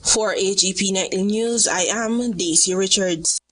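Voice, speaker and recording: A woman's voice: mid-range voice, measured pace, fairly bright tone. A female news reporter from Guyana, voicing a story in a formal reporting manner.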